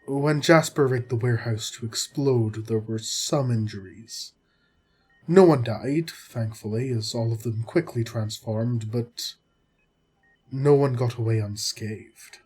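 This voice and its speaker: A man acting as a caring, exasperated centuries-old doctor in an audio roleplay, with a husky voice and measured bedside manner. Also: mid-range voice, a little mellow. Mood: grave, measured. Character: long-lived vampire doctor, male, caring yet exasperated. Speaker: voice actor. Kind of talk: audio roleplay drama, spoken to the listener.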